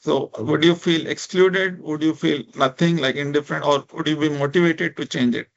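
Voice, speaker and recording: Indian guy teaching an online class, non-native english with indian accent, gravelly fry in his voice, slightly muffled audio, says right and you know a lot. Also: a little high, steady tone, moderate pace. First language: a minority language of India. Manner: informal, encouraging, repeats "right?" and "you know". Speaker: lecturer, speech technology researcher. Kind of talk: interactive online lecture.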